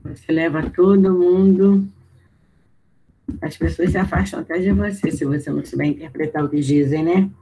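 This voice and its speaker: A man with a Brazilian Portuguese accent teaching an online video lesson. He talks in a conversational way, reads exercise prompts aloud, thinks out loud and keeps checking in with his students. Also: fairly high pitch, fairly even intonation, moderate pace, slightly rough, rough recording. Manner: conversational, checking in with students through tag questions.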